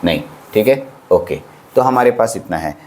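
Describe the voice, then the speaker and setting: Chatty low-voiced man teaching electronics. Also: expressive, normal speed, darkish tone, slight background noise. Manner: chatty, reassuring, repeats phrases, says "theek hai" often. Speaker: polytechnic lecturer. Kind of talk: classroom lecture in casual Hindi with English terms.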